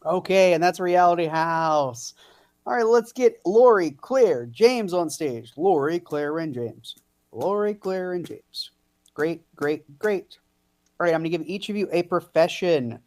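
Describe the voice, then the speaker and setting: A man hosting improv games, hesitant and full of drawn-out fillers. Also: high-pitched, animated, a little mellow. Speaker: host.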